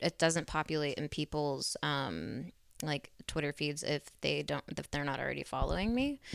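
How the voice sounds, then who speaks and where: In an American accent, the speaker shows vocal fry and ordinary pitch variation, the sound dry and close with no echo on a very clean recording with a silent background. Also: woman. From US Southwest, Arizona. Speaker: adult performer. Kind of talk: casual chat.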